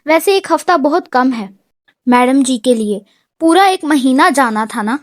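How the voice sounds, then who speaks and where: A woman voicing a calm, rule-bound young businessman who speaks in clipped, dryly sarcastic lines, in a storybook reading. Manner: low-key, clipped, dry sarcasm.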